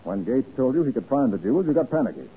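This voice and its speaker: A man's voice: mid-range voice, sing-song, fast talker, husky. An American man playing a shrewd, self-assured private detective in a 1940s radio drama, explaining things with confident showmanship. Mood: accusing. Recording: muffled, noisy 1940s radio recording.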